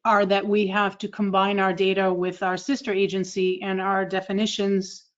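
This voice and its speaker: A woman's voice: medium pitch, flat delivery, normal speed, lo-fi sound. A woman from Massachusetts with a Massachusetts accent, giving a state agency update on a video call in a friendly, explanatory way. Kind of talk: virtual meeting update.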